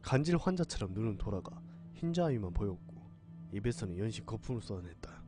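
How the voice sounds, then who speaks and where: A male horror storyteller narrating in the first person, his delivery tense and dramatic. His pitch rises and falls with real animation, over faint background music. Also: sing-song, fairly quick.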